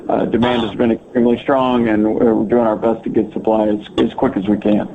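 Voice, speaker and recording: Male finance executive, informal phrasing, phone-line sound, faint hiss, medium pitch. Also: flat delivery, brisk, gravelly. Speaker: company finance executive on earnings call. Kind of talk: answering analyst questions on a conference call. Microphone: telephone conference line.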